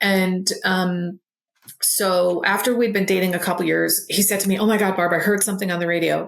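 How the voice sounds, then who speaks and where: Speaking at a fairly quick pace with very even loudness, a woman uses a medium-pitched voice. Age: 60s. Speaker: boundaries coach. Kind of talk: casual chat. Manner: animated.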